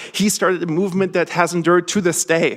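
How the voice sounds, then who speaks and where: A man's high-pitched voice at a fairly quick pace, fairly even in intonation, with noticeable background noise. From abroad, raised in Redmond area, Washington from childhood. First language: not English. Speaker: public commenter at council meeting. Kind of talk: prepared public comment. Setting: council chamber podium.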